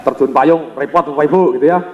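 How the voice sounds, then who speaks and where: A male sales trainer working a seminar crowd, quick-fire and high-pitched for a man, constantly turning to address the audience. His voice rings through a large hall with a long echo. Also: highs cut off. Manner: energetic, keeps addressing the audience directly. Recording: echoey hall with long reverb.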